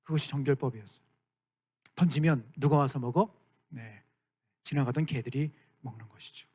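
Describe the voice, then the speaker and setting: Man, youth pastor, high voice, lively sermon, keeps checking in with the students. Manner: animated, keeps asking the room for agreement; acts out quoted lines in dramatic voices.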